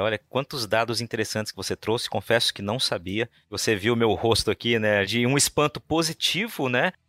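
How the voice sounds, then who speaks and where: Speaking at a moderate pace with hardly any pauses, a man with a Center-West Brazilian accent has a medium pitch, ordinary pitch variation and a bright, sharp tone, captured in a dry, close sound with no echo on a very clean recording with a silent background. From Brazil, Mato Grosso do Sul (Campo Grande). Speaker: podcast host. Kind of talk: interview.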